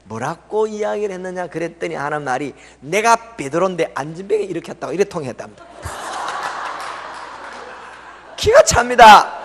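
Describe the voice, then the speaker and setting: A middle-aged man preaching a revival sermon. He tells the story with laughter and swings from loud exclamations to hushed tones. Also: a little high, animated, a little slow, long pauses, slight background noise. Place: church sanctuary. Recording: reverberant church sanctuary.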